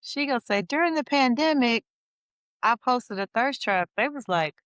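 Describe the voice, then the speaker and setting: A woman's voice: on the high side, animated, normal speed, fairly bright tone, dry recording, studio quality. A woman co-hosting a casual chat show, retelling gossip in a chatty way and laughing often. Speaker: podcast co-host.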